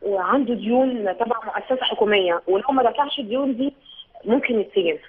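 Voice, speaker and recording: A woman with an Egyptian accent calling in, hesitant and halting but urgent. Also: fairly high pitch, slightly rough. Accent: Egyptian Arabic. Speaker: caller. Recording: narrow phone line.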